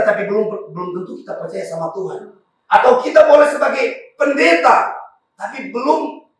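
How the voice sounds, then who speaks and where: A raspy-voiced male pastor, preaching fervently to a congregation. His voice sits slightly high. The sound is very echoey, picked up from across a church hall. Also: recorded from a distance. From Maluku. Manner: fervent preaching with frequent congregation address and hallelujahs. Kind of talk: sermon.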